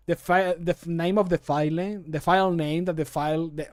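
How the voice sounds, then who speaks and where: A man's voice: a little high, steady tone, fairly quick. A man in his thirties chatting casually as a streamer while he works. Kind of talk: casual chat while recording voice lines. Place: small home room.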